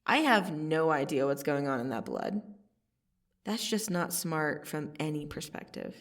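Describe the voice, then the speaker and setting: Casting: woman to voice female vampire assassin, ASMR audio drama. Gravelly fry, sardonic and casually threatening, slightly off-mic. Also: deep voice, very animated, far from the mic, full character voice. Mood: scornful, mocking. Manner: slow, casual, sardonic delivery with long pauses. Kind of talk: ASMR roleplay monologue to the listener.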